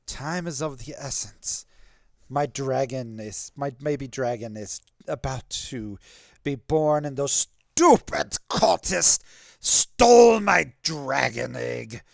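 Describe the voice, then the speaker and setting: Guy playing a big mean lady black dragon, slow and bossy, dry close sound. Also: medium pitch, darkish tone, no echo, natural voice. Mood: imperious. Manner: slow, imperious threats. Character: huge menacing female black dragon.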